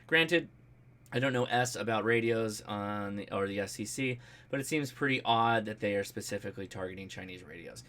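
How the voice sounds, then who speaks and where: Bright, forceful American man chatting casually. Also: fairly low pitch, moderate pace. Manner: animated, jokey, colloquial. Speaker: host of a ham radio livestream. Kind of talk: casual livestream chat, reading and answering viewer comments.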